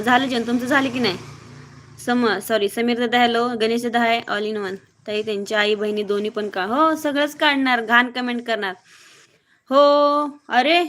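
A woman from Maharashtra hosting a live stream, briskly greeting viewers by name and reading their comments aloud in a blunt, outspoken way. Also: a little high, a bit bright, slight background noise. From Maharashtra, near Mohol. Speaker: livestreamer.

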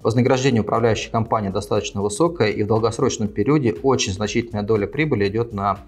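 A man's voice: lowish voice, slightly rough. A man in his forties hosting an investment channel, explaining to camera with frequent fillers, recorded on a lapel mic in a small indoor set. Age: 40s. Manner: fast, measured advisory delivery with frequent fillers. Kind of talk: talking-head explainer to camera. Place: small indoor studio set with desk and lamp.

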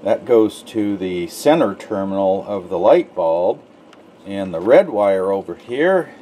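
Middle-aged man, low voice, unhurried DIY narration, halting and thinking aloud, camera mic in a shed. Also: animated, mellow, a little hiss or hum. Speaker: DIY repair vlogger. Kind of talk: casual hands-on narration. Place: garage workshop and shed.

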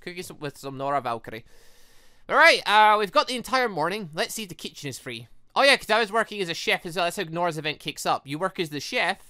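A man's voice: fairly high pitch, sharp tone, clean tone, dry recording, studio quality. A man hosting a video game playthrough in a casual, rambling way, chatting about his plans and reading game text aloud. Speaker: let's-play host. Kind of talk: casual gameplay commentary.

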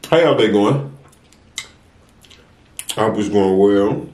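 Low-voiced young American man, echoey room. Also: takes it slowly, darkish tone. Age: young adult. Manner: informal, slangy, talks between mouthfuls. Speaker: mukbang vlogger. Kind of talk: casual chat to viewers while eating. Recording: roomy echo, distant mic.

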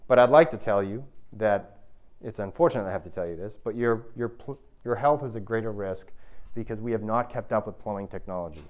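A man's voice: on the low side, brisk. An American man in his thirties lecturing to an audience in an emphatic, explanatory manner, often checking in with the listeners. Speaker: university researcher giving a public talk. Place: indoor lecture room with an audience.

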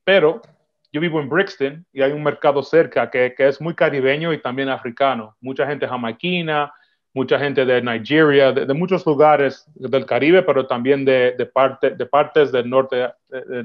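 A man, chatting as a podcast guest in a relaxed way, laughing often and repeating words as he thinks, on a video call from home. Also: medium pitch, normal speed. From Dominican Republic heritage, raised in New York. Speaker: podcast guest, film photographer. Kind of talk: casual interview chat. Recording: slightly dull video-call audio.

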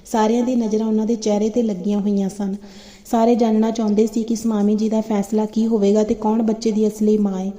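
A woman reading a moral story for children aloud in a steady, even delivery. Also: mid-range voice, a little fast. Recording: dull lo-fi recording.

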